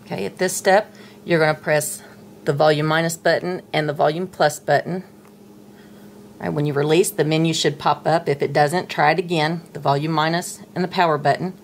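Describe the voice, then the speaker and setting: A middle-aged woman talks through a hands-on tablet tutorial in a patient, chatty way. Her voice sits low, and a faint hiss runs under the indoor recording. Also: fairly even intonation, a little fast. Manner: patient, chatty, talks while handling the device. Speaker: tech tutorial presenter. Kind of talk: casual step-by-step tutorial. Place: indoors at a table, dim room.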